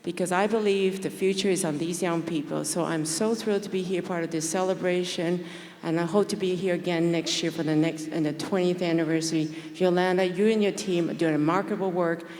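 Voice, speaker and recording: A woman's voice: lowish voice, steady tone, brisk, darkish tone. A woman legislator giving an earnest, exhorting speech at a gala dinner. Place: banquet hall. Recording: long reverb in a large hall.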